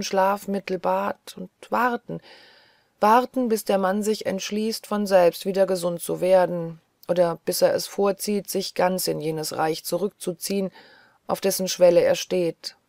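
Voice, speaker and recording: A woman's voice: fairly low pitch, fairly even intonation, unhurried, vocal fry, a little mellow, no echo, clean studio sound. A woman voicing a weary, agitated young woman doctor who talks in restless, pleading chatter. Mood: pensive.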